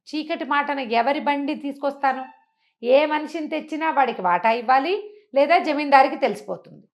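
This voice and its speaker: Female storyteller, higher-pitched, conversational delivery of an informal folk tale, with asides and rhetorical questions. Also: moderate pace.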